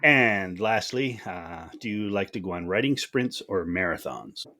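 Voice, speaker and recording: A man's voice: low-pitched, lively intonation, unhurried, bright, forceful tone. A man hosting a podcast, asking questions in a chatty, friendly way. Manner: friendly, chatty, asks follow-ups. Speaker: podcast host. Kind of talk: casual interview questions.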